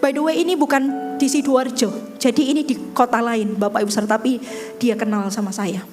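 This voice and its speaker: A woman pastor, telling a story in an animated sermon and often calling out to the congregation. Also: fairly high pitch, brisk, over music.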